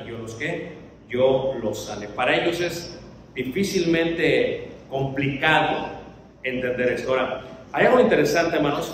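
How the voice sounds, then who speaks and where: A man's voice: mid-range voice, slight background noise. A man preaching a Bible lesson to his congregation, posing questions and answering them himself. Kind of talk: Bible teaching sermon. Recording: echoey hall, mic far off.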